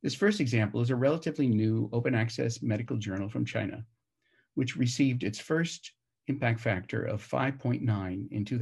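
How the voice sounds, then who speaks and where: A man gives a prepared conference presentation in a measured, formal, explanatory manner. His voice is gravelly and husky, medium in pitch with a darkish tone.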